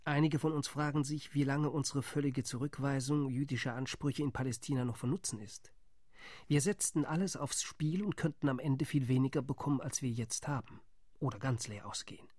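An actor playing a wary male Arab delegate who reports gravely in a radio drama monologue. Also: medium pitch, fairly quick, darkish tone, no echo, close to an everyday voice. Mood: reporting. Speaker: Arab Higher Committee delegate.

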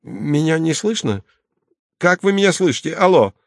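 A man voicing an excitable, easily offended male hunter who talks loudly and pompously. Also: moderate pace, no echo, studio quality. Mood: eager. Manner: loud, indignant, higher-pitched.

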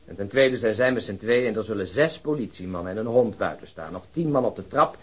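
Husky voice, brisk pace, unruffled detective, dry correcting manner, radio drama. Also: male voice, on the low side, expressive. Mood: dry, pedantic. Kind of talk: Dutch radio drama acting.

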